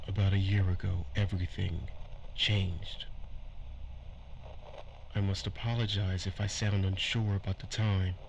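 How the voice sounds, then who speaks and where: An actor playing a weary, earnest survivor recording a grave, halting log in a post-apocalyptic audio drama. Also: male voice, deep voice, little pitch movement, creaky, dull audio. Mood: solemn, hopeful. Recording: noisy ambience behind the voice.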